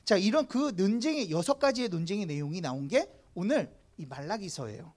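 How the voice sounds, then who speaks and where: Youth preacher, casual sermon, lively swooping pitch, conversational, asks questions, church youth service. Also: a little fast. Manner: chatty, asks the students questions; leads group reading with a count-in.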